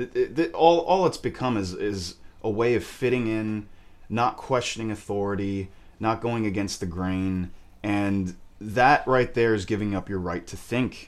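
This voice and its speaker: Talking at a moderate pace, a man uses a fairly low pitch with ordinary pitch variation. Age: 30s. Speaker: punk band guitarist. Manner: halting, many fillers.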